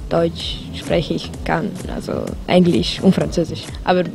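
A woman's voice: on the low side, flat delivery, a little slow, vocal fry, music in the background. A young woman from the Italian-speaking part of Switzerland, a native Italian speaker answering interview questions in careful, hesitant German. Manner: hesitant, searching for words in a second language. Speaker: interviewed model. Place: indoor hotel lounge. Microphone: handheld mic held to her.

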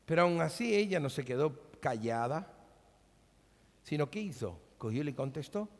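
A male pastor preaching a sermon in a church, animated and dramatic, acting out scenes as he speaks. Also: a little high, moderate pace. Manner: animated preaching, acts out biblical dialogue. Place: church hall. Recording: long reverb of a large hall.

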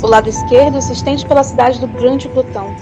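A woman's voice: sits high, fairly even intonation, a little fast, close to an everyday voice. Woman acting a solemn Brazilian prophetess, music behind. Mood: grave. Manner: solemn, declamatory.

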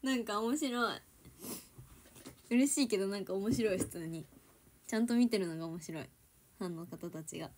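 A woman's voice: fairly high pitch, a bit bright. Giggly young Kansai woman livestreaming. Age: young adult. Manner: giggly, switches between standard Japanese and Kansai dialect. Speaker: idol livestreamer. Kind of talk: casual livestream chat with viewers. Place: home.

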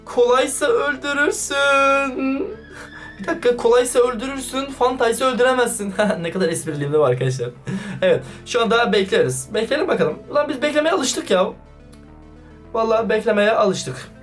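A man doing excited, casual vlog commentary, slangy and talking straight to his viewers. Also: very high voice, fast talker. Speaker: YouTuber reacting to a chat. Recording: distant mic with background music.

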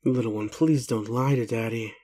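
A man plays a gentle, groggy werewolf in intimate audio, doting on the listener and speaking tenderly with hesitations. The medium-pitched voice holds a steady tone and is lightly acted, carrying weariness and doubt.

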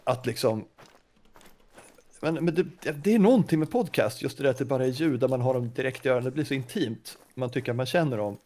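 A man's voice: mid-range voice, expressive, mellow. A man chatting casually and easily while playing a game together with the host. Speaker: co-player and guest. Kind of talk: casual gaming chat.

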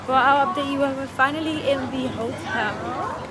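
A woman's voice: high voice, moderate pace, over loud music. A young woman, filming a casual travel vlog on her phone at arm's length, chatty and jokey. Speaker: vlogger. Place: airport, train and hotel. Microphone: phone camera at arm's length. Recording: loud crowd and travel noise behind.

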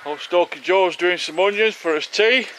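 A man's voice: sits high, moderate pace, sharp tone. Chatty middle-aged man vlogging outdoors. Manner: chatty, affectionate banter. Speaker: vlogger filming a camping trip. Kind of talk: casual chat to camera. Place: outdoors in woodland camp. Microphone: handheld camera, selfie distance. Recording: outdoor camera audio with clear background noise.

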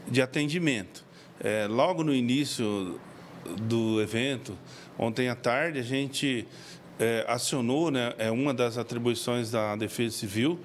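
Halting Brazilian official at a press mic. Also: male voice, mid-range voice, a little hiss or hum. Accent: Brazilian Portuguese. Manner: halting, many "é" fillers, explanatory. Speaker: civil defense official. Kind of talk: press interview. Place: indoors before a press backdrop. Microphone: several handheld reporter mics.

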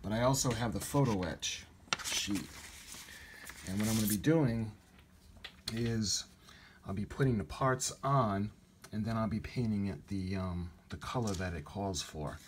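Low-voiced man with noticeable background noise. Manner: halting, thinking aloud. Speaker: hobby model builder, video host. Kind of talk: casual hands-on tutorial narration. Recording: noisy handheld home video sound.

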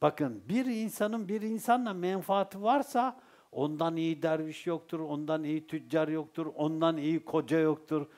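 A man's voice: a little high, normal speed. A man with a Turkish accent giving a religious Sufi talk, telling stories and asking his listeners rhetorical questions. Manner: lively storytelling with rhetorical questions. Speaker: Sufi teacher.

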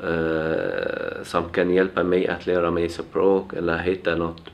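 A man in his twenties from Syria with an Arabic accent, answering haltingly as he searches for words. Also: low voice, creaky. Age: 20s. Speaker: interviewee, young migrant. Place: small plain room. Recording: dull, muffled camera sound.

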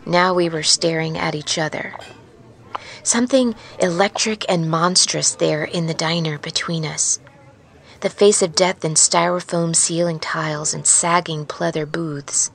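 A woman playing a wary, haunted truck driver in an intimate, confiding, halting audio-drama monologue. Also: deep voice, steady tone, vocal fry. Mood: uneasy, haunted. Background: music.

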